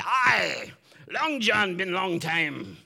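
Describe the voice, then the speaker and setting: A man puts on a character voice, raspy and high-pitched. His tone is playful. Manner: gruff, playful.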